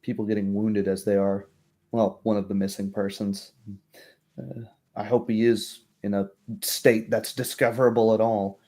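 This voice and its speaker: A man's voice: fairly low pitch, little pitch movement, normal speed, mellow, close to an everyday voice. A man voicing a bookish woman, a helpful retired adventurer and herbalist in a tabletop game, hesitant and thinking aloud. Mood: concerned.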